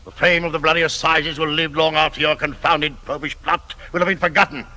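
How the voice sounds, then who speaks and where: An actor playing a haughty, quick-tempered judge in a 1950s radio drama, stiff and formal. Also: male voice, a little high, little pitch movement, bright, forceful tone, rough recording. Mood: angry.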